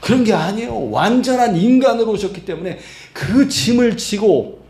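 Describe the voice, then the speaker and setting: A man's voice: sits high, lively intonation, moderate pace, a little mellow, echoey room. A man preaching a Sunday sermon as pastor, emphatic, acting out quoted voices and filling with little interjections. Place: church sanctuary.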